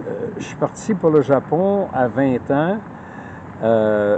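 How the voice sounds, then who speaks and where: A man with a Quebec accent, very slow delivery, and noticeable background noise. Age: 70s. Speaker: filmmaker. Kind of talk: interview. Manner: casual, with frequent hesitations and repetitions.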